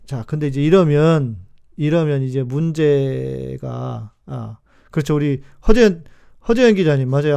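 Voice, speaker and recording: Gravelly-voiced man pastor teaching on a live stream. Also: fairly high pitch, warm tone. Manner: chatty and emphatic, repeats key words and reads viewer comments.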